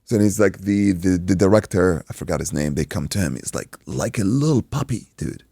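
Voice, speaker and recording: A man with a low, creaky voice, recorded close and dry, spins a story in loose conversational style. He is from Iraq and speaks Arabic natively. He acts out people's dialogue and peppers it with swearing and "dude". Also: animated, fairly quick, dark tone, dry recording. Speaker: podcast guest, martial arts coach and stunt performer. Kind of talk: animated anecdote in casual chat.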